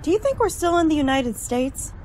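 A young college woman, played by an actress in an old-time radio play, fretful and tired of it all. Her voice sits fairly high, and she grumbles at length over faint vehicle noise. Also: very animated, a little fast, darkish tone. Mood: annoyed. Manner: fretful, wordy complaining.

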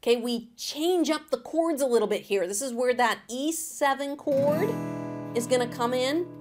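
Upbeat alto lady teaching guitar at home, kinda high voice, guitar strumming right under her. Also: moderate pace. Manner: upbeat, encouraging, talks straight to camera. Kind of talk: guitar lesson, talking and singing along. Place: home studio room, indoors. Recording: acoustic guitar playing under the voice.

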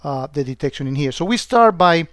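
A man walking through a security software demo on screen, talking loosely with many "uh"s and restarts. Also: fairly high pitch, lively intonation, fairly quick, no room sound, clean studio sound. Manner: hesitant, many fillers and restarts.

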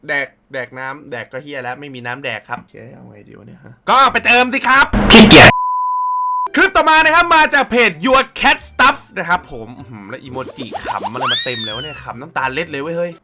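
A man hosting a casual reaction video, excitable and full of exclamations and swearing. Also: fairly high pitch, brisk, heavy background noise. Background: background music.

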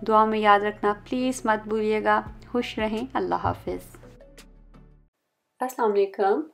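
A woman's voice: mid-range voice, darkish tone. A woman hosting a cooking channel, talking viewers through a recipe in a chatty, explanatory voice-over.

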